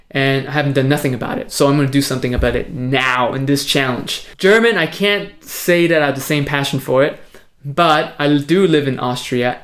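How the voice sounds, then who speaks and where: A man speaks casually to camera in his thirties. His voice sits slightly high and his delivery is upbeat, with quick bursts of emphasis. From born in Hong Kong, raised in California. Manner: upbeat and energetic, punchy emphasis on key words. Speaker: vlogger on a language challenge. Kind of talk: casual video update to camera.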